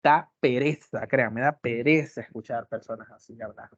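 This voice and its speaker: A man's voice: mid-range voice, moderate pace, dry recording. A man lecturing a class on courtroom speaking, emphatic, with many rhetorical questions. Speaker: law lecturer. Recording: dull muffled dry sound.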